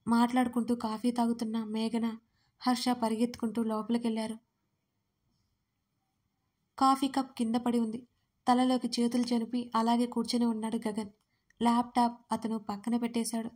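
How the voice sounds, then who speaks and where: A woman narrates a serialized audio story and voices every part. Her voice sits a little high and stays fairly flat, in a steady, even read. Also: moderate pace, pauses often.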